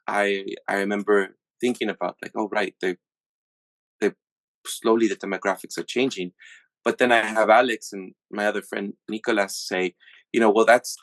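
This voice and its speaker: Low-voiced man musing haltingly, dry sound. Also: fairly bright tone, no echo, poor audio. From USA. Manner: halting, many restarts and fillers. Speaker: podcast host. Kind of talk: casual reflective monologue.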